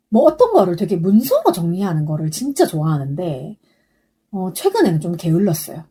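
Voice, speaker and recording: A woman's voice: mid-range voice, warm tone, breathy edge. A young adult woman hosting a podcast, chatting casually and rambling with many fillers. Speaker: podcast host. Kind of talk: casual solo podcast chat.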